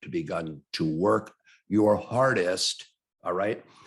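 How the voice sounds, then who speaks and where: Against a quiet background, a man speaks in an ordinary speaking voice with a fairly low pitch. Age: 60s. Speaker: practice management consultant. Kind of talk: podcast discussion. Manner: conversational, frequent 'all right' fillers.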